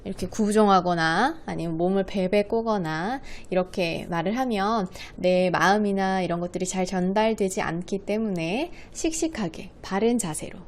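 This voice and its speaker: Friendly woman speech coach teaching kids. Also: mid-range voice. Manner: friendly, patient teacher voice addressing children. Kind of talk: lesson for schoolchildren.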